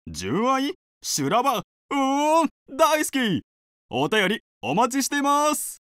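A man's voice: very high voice, huge pitch swings, slow, a bit bright, no room sound, clean studio sound, exaggerated voice. A male voice actor playing an upbeat, flirty, showy late-night love-advice radio DJ. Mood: bubbly, flirty.

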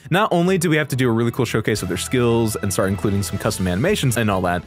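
A man giving casual, slangy, excited reaction commentary on video game trailers, full of exclamations. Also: mid-range voice, racing. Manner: slangy, exclamatory, gushing fan talk. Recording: game music behind the voice.

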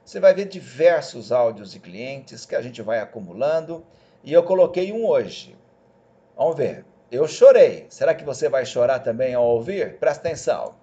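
A man talks to his viewers in a loose, animated way, selling the idea with a chatty push. His voice is mellow and dark. The recording is dull and lo-fi. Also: medium pitch, normal speed. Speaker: job placement agency host. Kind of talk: casual screen-recorded talk to viewers.

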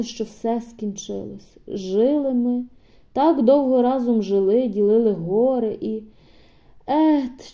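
A woman reading an audiobook voices an old peasant man bidding his wife a quiet, halting farewell. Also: fairly high pitch. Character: old peasant man, weary and tender husband.

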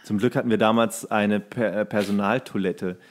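A man's voice: on the low side, fairly even intonation, normal speed. A man co-hosting a podcast, telling anecdotes in a loose, colloquial way. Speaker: podcast co-host. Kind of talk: casual chat, anecdotes.

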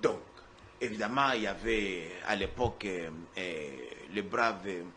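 A man holds forth in a political TV studio debate, his slow and deliberate. He hesitates and stumbles while reaching for names. Faint background noise sits under the broadcast clip. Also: fairly low pitch, sharp tone.

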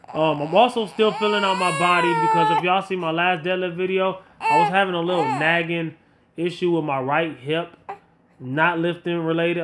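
Higher-pitched man in his thirties, blunt talker. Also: very noisy. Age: late 30s. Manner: blunt, emphatic, colloquial, repeats himself for emphasis. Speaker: fitness vlogger. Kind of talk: casual motivational talk to viewers.

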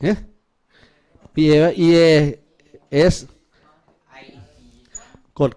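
A man's voice: extremely slow, mellow. A man teaching math in a classroom, teasing his students with crude jokes. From Thailand. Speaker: math tutor. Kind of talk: classroom lecture.

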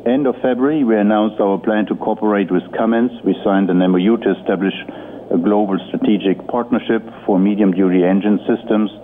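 Low-voiced man on a tinny phone line. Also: fairly even intonation, fairly quick. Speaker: company executive. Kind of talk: prepared earnings-call presentation. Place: conference call line. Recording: muffled phone-line audio with noise.

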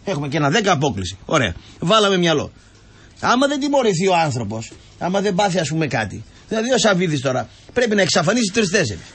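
A man's voice: fairly high pitch, very animated, a bit bright, slightly rough. A man who is a football pundit, ranting and mocking in a heated comic sports talk show. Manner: ranting, mocking, keeps cutting in.

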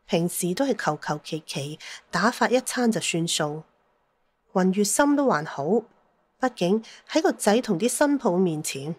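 A woman telling a dramatised story as an audiobook narrator, with a Cantonese accent. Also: medium pitch.

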